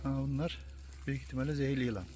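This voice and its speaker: A man of medium pitch vlogging in the open countryside, recorded on a handheld camera with a faint outdoor hiss behind him. He talks in a casual, coaxing way and often drops into soft, soothing hushes. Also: steady tone, rapid-fire. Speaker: wildlife vlogger. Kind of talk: casual outdoor filming commentary.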